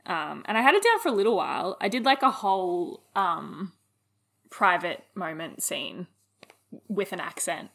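A young woman co-hosting a podcast in casual chat, blunt and quick to laugh, with some acting training behind her. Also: on the low side, breathy edge. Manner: animated, laughing, blunt opinions. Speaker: podcast co-host.

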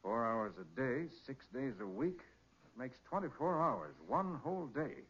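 Husky, animated shrewd radio detective. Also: male voice, medium pitch, measured pace, heavily acted. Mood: puzzled. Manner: probing, questioning, decisive. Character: brisk, shrewd male private detective, master sleuth. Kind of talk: 1940s radio crime drama acting. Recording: dull, muffled 1940s radio recording.

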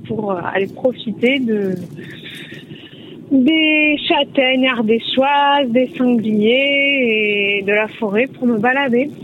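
Woman guest with a regional French accent on a phone call from a car, slow and relaxed, faint road noise. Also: on the high side. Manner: relaxed, hesitant, many fillers. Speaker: podcast guest. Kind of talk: casual interview by phone. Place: in a moving car. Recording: tinny phone line from a car.

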